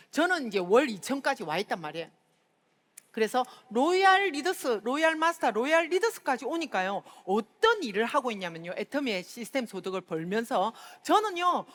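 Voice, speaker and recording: A middle-aged woman with a Busan accent, giving a chatty, storytelling motivational talk at a seminar and often calling out to the audience. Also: high voice. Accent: Busan dialect of Korean. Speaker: speaker at a sales seminar. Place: large hall. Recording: reverberant hall, stage mic.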